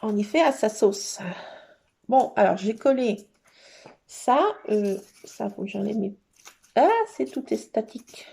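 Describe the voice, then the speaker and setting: A woman hosting a casual craft session, chatting to her viewers and thinking aloud as she works, with sudden bursts of excitement. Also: on the high side, unhurried, gravelly, pauses often. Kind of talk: casual craft tutorial chat.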